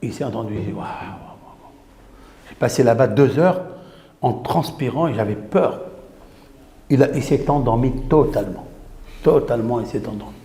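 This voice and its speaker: A man, a rabbi, recounting a story in an animated teaching style, mixing in Hebrew terms. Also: medium pitch, moderate pace. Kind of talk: storytelling Torah lesson. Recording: echoey room with faint noise.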